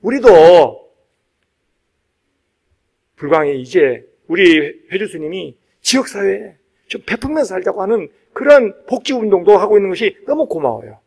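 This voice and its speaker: A man, a Buddhist monk, preaching to a congregation in an emphatic, exhortative way, repeating key phrases and pausing for weight. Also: high-pitched, expressive, a little mellow, husky. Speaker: Buddhist monk giving a dharma talk. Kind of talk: sermon to a live congregation.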